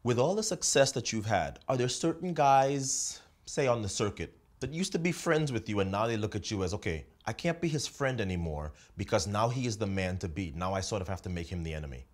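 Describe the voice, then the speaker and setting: Deep-voiced male sports interviewer. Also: animated, fairly quick, few pauses. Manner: leading, probing questions. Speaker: interviewer, host.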